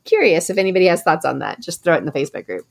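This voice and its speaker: A woman's voice: on the low side, big pitch swings, racing, creaky. A woman co-hosting a podcast, chatting casually and rambling through questions for listeners with many restarts. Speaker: podcast co-host.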